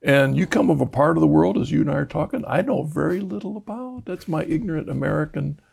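A man's voice: fairly high pitch, quick pace, vocal fry, darkish tone, husky. A man hosting a talk show, chatting loosely and correcting himself as he goes. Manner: rambling, self-correcting. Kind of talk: conversational interview.

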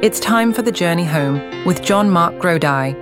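A woman reading a station promo in a crisp promotional way. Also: lowish voice, lively intonation, normal speed, over music. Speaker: station announcer. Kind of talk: radio promo.

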